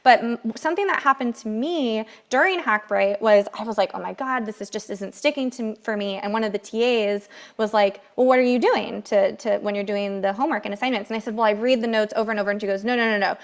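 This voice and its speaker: A woman's voice: mid-range voice, fast talker, hardly any pauses. A woman in her thirties co-hosting a podcast, chatting in a bubbly, talkative way and laughing easily. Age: 30s. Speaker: podcast co-host. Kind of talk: casual chat.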